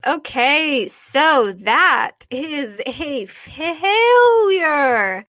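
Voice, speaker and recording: A woman's voice: high-pitched, very animated, extremely slow, a bit bright, dry recording, clean studio sound. A woman game master improvising casual, conversational narration for a tabletop game, often saying "like". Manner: conversational, peppered with "like".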